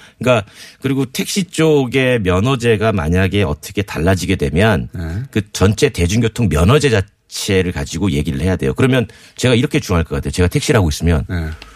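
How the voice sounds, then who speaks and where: A man's fairly low voice with very wide pitch swings, a fairly quick pace and a dry, close sound with no echo. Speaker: university professor of automotive transport. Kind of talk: radio interview.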